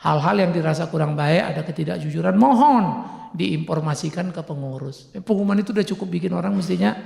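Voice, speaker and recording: Male pastor, humorous storytelling sermon; high, very gravelly voice, roomy hall echo. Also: fast. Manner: humorous, animated, acts out dialogue, laughs often. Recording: echoey church hall.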